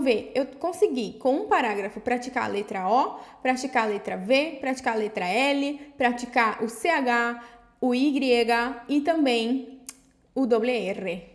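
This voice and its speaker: A woman teaching a language lesson in a casual spoken style, checking in often with "tá?" and "ok?" and reading example phrases slowly and carefully. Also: a little high. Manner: explains with many "tá?" and "ok?" check-ins, reads Spanish slowly and carefully. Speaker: Spanish teacher.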